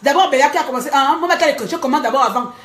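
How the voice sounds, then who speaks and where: A woman's voice: high voice, very fast, fairly bright tone. A woman vlogger angrily ranting to the camera at home, scolding her critics and laughing between jabs. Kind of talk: angry rant to camera. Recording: echoey room.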